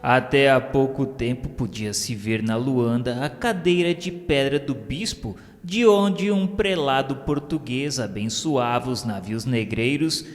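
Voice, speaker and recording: Slow, solemn Brazilian male narrator in reverb. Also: mid-range voice. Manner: formal, measured literary diction. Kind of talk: solemn scripted narration of a radio drama. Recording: long reverb, music under the voice.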